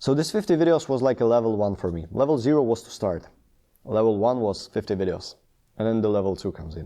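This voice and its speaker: A man's medium-pitched voice in a non-native accent, dark and mellow in tone, with lively intonation and a very fast pace against a quiet background. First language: not English. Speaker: YouTuber. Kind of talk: personal storytelling vlog.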